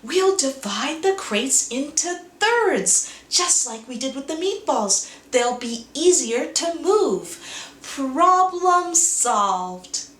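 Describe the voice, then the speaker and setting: A woman's voice: sits high, lively intonation, slow pace, fairly bright tone, pitched above the performer's own voice, heavily acted. A woman voicing a spirited, bossy little girl from a children's storybook with emphatic exclamations, in a roomy recording. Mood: exasperated, decisive. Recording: roomy home recording with faint noise.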